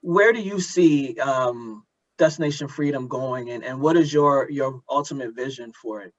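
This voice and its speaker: A middle-aged man with an American accent hosting an interview, thoughtful and halting as he gradually builds his questions, on a dull, lo-fi recording. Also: medium pitch. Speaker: interviewer, host. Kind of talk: conversational interview.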